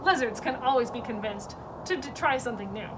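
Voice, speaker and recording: High, animated woman reading a storybook. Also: brisk. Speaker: zoo educator reading a story. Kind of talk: children's storybook read-aloud. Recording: distant mic with clear background noise.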